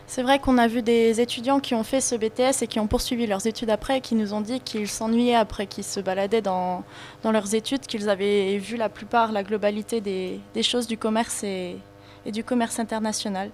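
A woman's voice: on the high side, steady tone, normal speed, a little mellow, slight background noise. A woman introducing a student, speaking in broken restarts.

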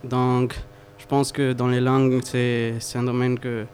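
Halting young man, flat pitch. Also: slight background noise. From Mexico. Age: 20s. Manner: halting, repeats words while searching. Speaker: student guest. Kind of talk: casual interview answers.

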